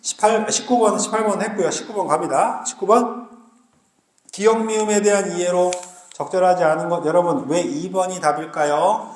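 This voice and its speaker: Guy teacher giving a live lecture, kinda high voice, slangy, keeps asking u get it?, echoey classroom. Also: normal speed. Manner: lively, keeps checking students understand; slangy and joking with students. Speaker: Korean literature teacher.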